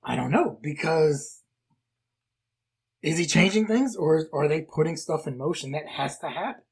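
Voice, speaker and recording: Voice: mid-range voice, animated, normal speed, gravelly, a little mellow, breathy edge. A podcast co-host recapping a movie in a rambling, chatty way with lots of fillers. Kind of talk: casual film discussion.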